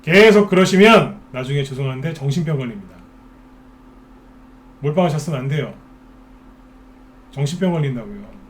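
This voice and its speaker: A man's voice: a little high, animated, normal speed, long pauses, slight background noise. A man hosting a stock market broadcast, talking casually and firing off rhetorical questions, often mimicking worried investors. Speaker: stock market expert host.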